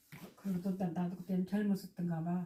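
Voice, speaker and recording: A woman's dark, mellow tone comes through somewhat breathy as she speaks at a moderate pace. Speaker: host's mother, rural villager. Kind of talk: casual family conversation.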